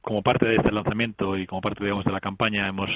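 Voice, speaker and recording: A man's voice: lowish voice, little pitch movement, fast, dry recording. A man calling in by telephone as a guest on a radio show, speaking hesitantly with many fillers and restarts. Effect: heard over a telephone line. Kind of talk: casual phone interview. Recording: narrow tinny phone line, dry.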